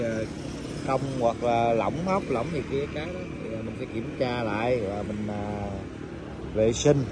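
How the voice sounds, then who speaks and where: A middle-aged man chatting casually to viewers on a phone camera at a roadside cafe, rambling with many filler sounds, motorbikes passing. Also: medium pitch. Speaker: vlogger, bike-wash owner. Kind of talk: casual vlog chat with viewers. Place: roadside cafe outdoors by a busy road. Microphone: phone camera held by the speaker. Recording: loud street traffic noise. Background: passing motorbikes and traffic.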